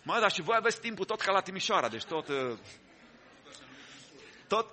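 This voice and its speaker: A man's voice: high voice, sing-song, bright, forceful tone. A man preaching a sermon fervently, exhorting the congregation with repeated refrains and asking them to repeat phrases to their neighbours.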